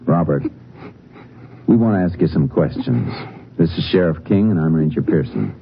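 Deep-voiced 1950s radio Texas Ranger. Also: male voice, animated, normal speed, slightly rough, heavily acted. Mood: narrating. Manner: terse, methodical, matter-of-fact questioning. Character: steady Texas Ranger investigator and narrator. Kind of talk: 1950s radio drama acting. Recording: dull old 1950s radio recording, music.

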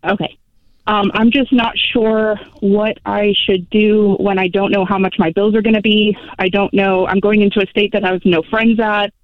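A woman in her twenties from Florida, calling in over the phone and speaking in a hesitant, halting way. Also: mid-range voice, little pitch movement, dry recording. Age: 20s. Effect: over the phone line. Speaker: caller. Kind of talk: call-in advice talk. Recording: tinny dry phone line.

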